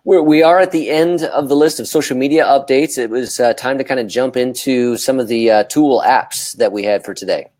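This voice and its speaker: A man co-hosting a talk show, explaining things casually to the audience in a slightly halting way with restarted phrases. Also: medium pitch, a little mellow.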